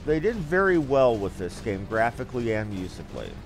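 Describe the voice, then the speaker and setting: A man's voice: medium pitch, very animated, a little fast, soft background music. A man giving casual gameplay commentary as a streamer, with crude, salty asides. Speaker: game streamer.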